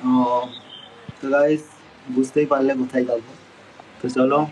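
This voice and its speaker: A man's voice: medium pitch, flat delivery, normal speed, lo-fi sound. Man, casual home vlog, chatty, talks to viewers, handheld phone, noisy background. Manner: chatty, addresses viewers directly, repeats "to" as filler. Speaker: vlogger. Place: home, indoors and yard.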